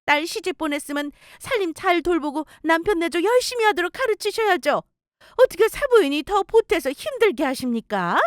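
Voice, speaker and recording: A woman doing a shrill nagging mother-in-law. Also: big pitch swings, moderate pace, no room sound, studio quality. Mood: scolding. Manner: shrill, scolding, self-righteous. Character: nagging meddlesome middle-aged mother-in-law. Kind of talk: story radio acting.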